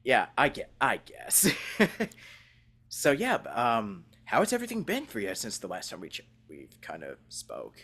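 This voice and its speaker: Man, podcast host, casual chat, laid-back manner, lively varied intonation. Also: mid-range voice, moderate pace, breathy edge.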